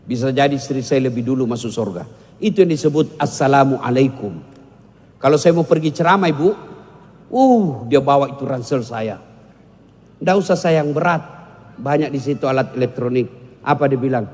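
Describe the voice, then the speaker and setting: A man's voice: mid-range voice, moderate pace, darkish tone. A man preaching a humorous sermon, joking with the audience and sometimes breaking into song. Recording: long hall reverb.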